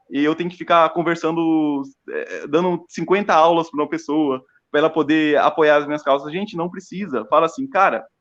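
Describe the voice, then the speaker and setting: A man's fairly high voice carries ordinary pitch variation. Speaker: web radio host. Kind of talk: political talk show. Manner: fast; hesitant fillers.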